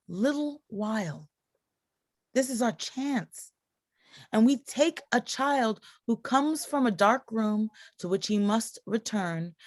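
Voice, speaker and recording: A woman plays an idealistic young-spirited colleague in a stage play. The voice is fairly high and very slow, each phrase placed with earnest care. It is a close, dry sound from a video call reading. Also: darkish tone, no echo. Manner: slow, deliberate reading aloud. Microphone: video call microphone.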